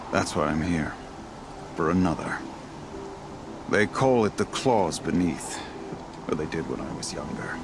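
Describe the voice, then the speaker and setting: Old tribal hunter for a game, lowish voice, tired but proud, solemn storyteller, lots of background noise. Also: male voice, gravelly, exaggerated voice. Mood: weary, reflective. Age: older. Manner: solemn, measured, poetic storyteller. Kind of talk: dramatic video game dialogue.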